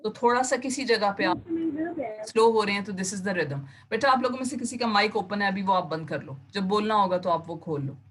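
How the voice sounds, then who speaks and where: A woman's voice: mid-range voice, brisk. A woman teacher giving an online class, explaining terms step by step and mixing English words into her Urdu. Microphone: computer mic on a video call.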